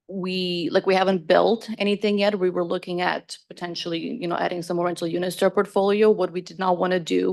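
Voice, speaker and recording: A woman's voice: on the low side, vocal fry. A woman from Ukraine, a property owner, answering council questions in a casual way, often saying "like" and "you know".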